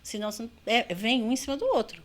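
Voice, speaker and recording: A woman's voice: on the high side, expressive, fast. A woman with a Brazilian Portuguese accent, a podcast guest in ministry, telling a story and acting out the dialogue in a casual chat.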